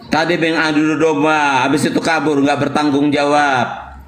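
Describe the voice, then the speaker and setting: A man's voice: a little high, little pitch movement, normal speed, a bit bright. A man in an online debate who teases and keeps cutting in on the others. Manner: teasing, cuts in on others. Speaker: debate participant. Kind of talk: casual debate chat. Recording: echoey voice chat with faint noise.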